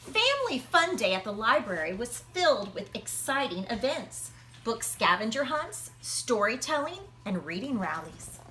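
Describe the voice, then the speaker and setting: A woman with a high, bright voice reads a children's story aloud. Her delivery swings up and down expressively, with dramatic pauses and emphasis. Light background noise sits behind her. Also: big pitch swings, reverberant, low-quality recording. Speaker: librarian reading a picture book aloud. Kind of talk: animated children's read-aloud.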